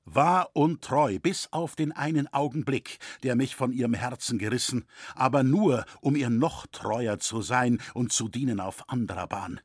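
A steadfast master builder, as a male reader voices him, firm and solemn. The voice is slightly husky and dry, like a storybook reading. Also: medium pitch, unhurried, no echo.

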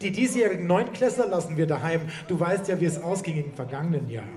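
A man's voice: on the high side, expressive, fast, a little mellow. A man moderating and translating at an outdoor festival on a market square, announcing in an upbeat way. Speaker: event moderator and interpreter. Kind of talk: live stage moderation. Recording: echoey open-air PA with crowd. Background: crowd chatter.

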